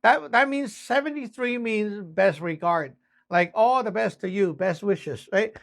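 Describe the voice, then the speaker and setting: A high-pitched man gives a casual lesson on radio communication basics, complete with acted-out example exchanges. He speaks at a measured pace with a creaky, fairly bright voice, staying conversational, checking in frequently, and spelling things out step by step.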